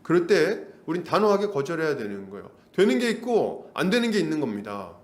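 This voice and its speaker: A pastor delivering an expository sermon, acting out quoted complaints in a raised voice. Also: male voice, fairly high pitch, big pitch swings, brisk. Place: church sanctuary. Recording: echoey church hall.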